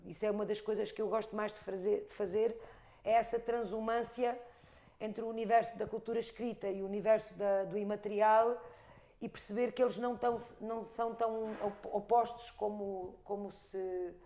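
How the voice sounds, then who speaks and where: A Portuguese woman in her fifties from the Algarve, an expressive storyteller talking about her life and craft, with an Algarve accent. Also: mid-range voice, normal speed. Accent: European Portuguese, Algarve. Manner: expressive storyteller, rhythmic lists. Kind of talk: reflective interview talk.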